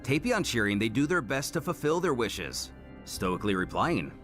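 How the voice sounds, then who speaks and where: A man tells a story in a scripted narration, his pitch rising and falling with lively energy. He drops wry asides between plot beats. Faint music plays quietly beneath his voice. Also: normal speed. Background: faint background music.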